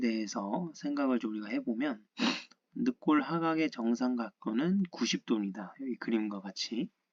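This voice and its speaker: A man with a medium pitch and lively intonation is heard in a dry, close sound with no echo. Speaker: physical therapist, book reviewer. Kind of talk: tutorial, book review lecture. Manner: many filler sounds, halting.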